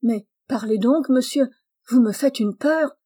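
A woman's voice: fairly high pitch, a little slow, dark tone. A woman reading aloud and voicing a humble, devoted farm housekeeper who speaks meekly and deferentially.

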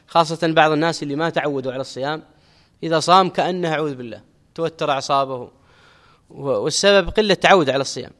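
A middle-aged man teaching an Islamic religious lesson, explaining a text and quoting scripture, with measured teaching and key phrases repeated for emphasis. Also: on the high side, fairly bright tone. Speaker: Islamic scholar teaching hadith commentary. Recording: long hall reverb.

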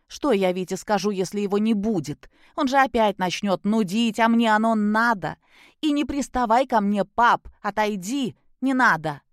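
A woman's voice: mid-range voice, moderate pace, no room sound, studio quality, close to an everyday voice. A woman voicing a drunk, spiteful young mother who talks in a slurred, mocking, whiny way.

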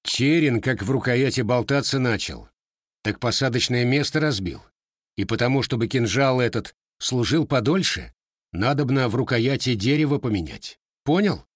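A man's voice: mid-range voice, lively intonation, normal speed, dry recording, natural voice. A man voicing a proud young village armorer who talks in a dry, curt, mocking way.

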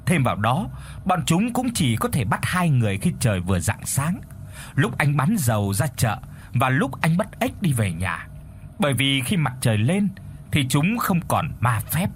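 A man voicing a shrill, frightened wild duck begging for its life in a told story. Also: slight background noise, lightly acted. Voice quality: shrill, thin voice. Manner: pleading, whiny.

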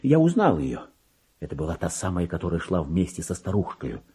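An actor playing an excitable, self-important, paranoid petty clerk in a theatrical radio monologue, with a husky voice and volatile delivery that swings between confiding and outbursts. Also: male voice, low-pitched, fairly quick, heavily acted. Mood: fussy disgust. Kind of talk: dramatic monologue reading in a radio play.

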